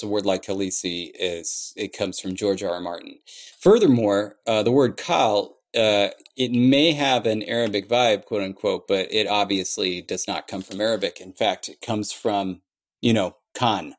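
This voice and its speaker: A man in an interview explaining how he built a language, thinking aloud with many fillers and restarts. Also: lowish voice. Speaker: conlang creator answering questions.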